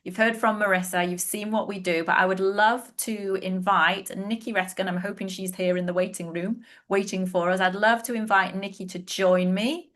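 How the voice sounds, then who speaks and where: Woman host, mid-pitched voice, chatty and effusive. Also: steady tone, normal speed, hardly any pauses, fairly bright tone. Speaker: webinar host and practitioner. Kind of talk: live webinar hosting.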